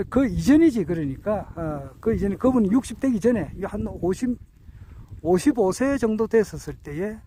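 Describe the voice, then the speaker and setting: A man in his sixties giving a reflective spoken talk, earnest and hesitant, with many drawn-out fillers and self-corrections. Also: sits high, warm tone, poor audio. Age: 60s. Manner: earnest, self-correcting while counting out years. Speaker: speaker sharing reflections on his teachers.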